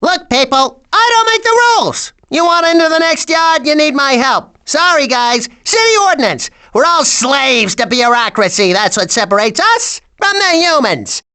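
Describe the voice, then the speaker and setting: A brash hustler bird from a video game. The voice is bright and piercing, leaping around in pitch. It wisecracks with bossy sarcasm. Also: female voice, big pitch swings, moderate pace, hardly any pauses, exaggerated voice. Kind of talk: video game character voice acting.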